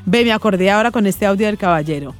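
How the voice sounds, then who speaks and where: A woman casually retelling a viral clip, acting out the voices she quotes with animated storytelling. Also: medium pitch, quick pace, faint music behind.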